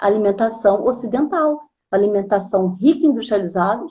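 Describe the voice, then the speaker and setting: Here is a woman with a dark, mellow tone. Her pitch swings very widely. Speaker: nutritionist. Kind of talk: live stream conversation. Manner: fast.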